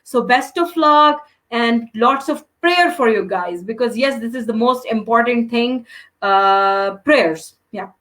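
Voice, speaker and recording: Brief: young woman, high bright voice, earnest and advising, many fillers. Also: slow. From Pakistan. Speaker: interview guest, master's student. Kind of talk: casual interview answers.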